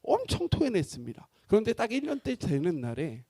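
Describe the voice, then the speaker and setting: A male pastor preaching a sermon in a conversational, animated way, often acting out quotes. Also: high-pitched, brisk, husky, no room sound, clean studio sound.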